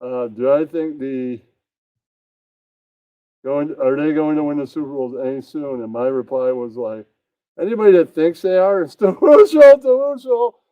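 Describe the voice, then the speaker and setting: A man voicing an awkward, eager puppet comedian in a parody stand-up act, with stilted setups and hammy loud punchlines. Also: on the high side, moderate pace, dry recording, close to an everyday voice, low-quality recording.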